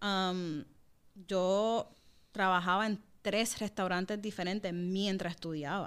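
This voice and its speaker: On a very clean recording with a silent background, a woman talks at a very slow pace with fairly even intonation. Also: medium pitch for a woman. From Puerto Rico, Bayamón. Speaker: marketing executive and content creator. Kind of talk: casual chat.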